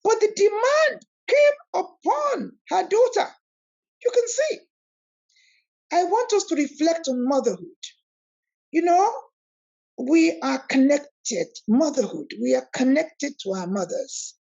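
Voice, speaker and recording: Give me a woman, hosting a video call in a preacherly way, with lively swoops of pitch. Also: slow pace, gravelly, dull audio. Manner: emphatic and preacherly, repeats words, rises sharply on key words. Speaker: host of an online spiritual discussion. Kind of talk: animated talk, switching between English and Yoruba.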